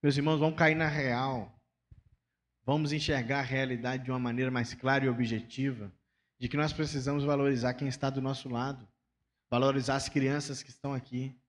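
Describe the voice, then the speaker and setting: A man's voice: medium pitch, flat delivery, a little fast, long reverb tail. A man with a Brazilian Portuguese accent, a pastor preaching a sermon in a conversational way and acting out everyday dialogues. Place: church sanctuary.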